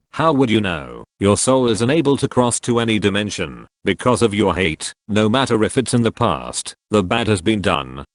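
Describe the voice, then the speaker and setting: A man's voice: on the low side, no room sound. A man reading social media posts aloud, speaking every handle and symbol out literally.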